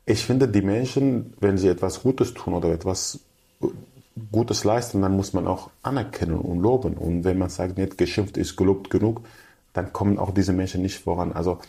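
A man's voice: low-pitched, normal speed, gravelly, warm tone. A young man from Syria, chatting as an interview guest in fluent but German, with many restarts. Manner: fluent but non-native, restarts, acts out quoted people. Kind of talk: casual interview chat.

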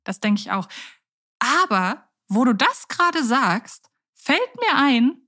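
A woman's voice: high-pitched, very animated, slow, bright, forceful tone. Chatty woman podcast co-host. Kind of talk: casual chat about radio plays.

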